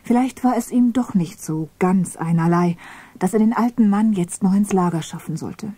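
A woman reading a memoir aloud, narrating in a hushed, mostly whispered voice. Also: mid-range voice, normal speed, husky, no echo. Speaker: reader of a memoir.

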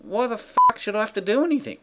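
A man's voice: high-pitched, very animated, fast talker. A man playing a crude, brash Australian bogan bloke who swears bluntly, with an Australian accent. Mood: scornful. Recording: loud background noise.

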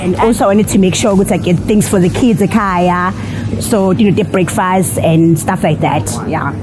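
Excited South African woman, music behind. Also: on the low side, moderate pace. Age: middle-aged. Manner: excited, laughs easily. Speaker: competition winner. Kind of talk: on-camera interview. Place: indoors in a large supermarket. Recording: music bed under speech.

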